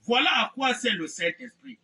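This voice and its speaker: A man's voice: very high-pitched, expressive, moderate pace, bright, forceful tone. A man preaching a fiery revivalist sermon, exclamatory and theatrical, insistently repeating phrases and amens. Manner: mocking, theatrical asides. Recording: distant mic with faint background noise.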